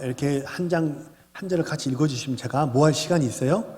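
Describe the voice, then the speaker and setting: A male senior pastor preaching a sermon in a church sanctuary, lively and constantly putting questions to the congregation. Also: fairly high pitch, quick pace. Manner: animated, keeps asking the congregation questions. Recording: long church hall reverb.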